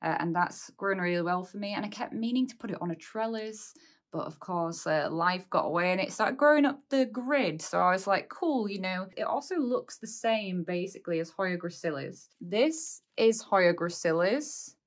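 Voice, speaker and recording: A young woman, a little hoarse, chatting casually with frequent "uh"s as she walks through her houseplants. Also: medium pitch, expressive, normal speed. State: slightly hoarse. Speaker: houseplant vlogger. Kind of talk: casual plant tour walkthrough.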